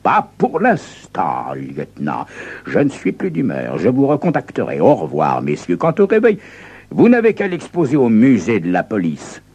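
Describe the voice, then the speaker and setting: A man voicing a prim, haughty gentleman who speaks in a formal, smugly calm way. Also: on the low side, normal speed, breathy edge, pitched above the performer's own voice, exaggerated voice. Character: prim, haughty gentleman carrying a ticking box.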